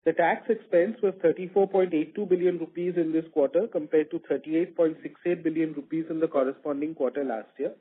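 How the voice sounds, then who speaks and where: A man's voice: a little high, husky. A man with an Indian accent formally and methodically reading out figures as an executive in a scripted results presentation. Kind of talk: scripted earnings call presentation. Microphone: telephone conference line. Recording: muffled narrow phone-line conference call.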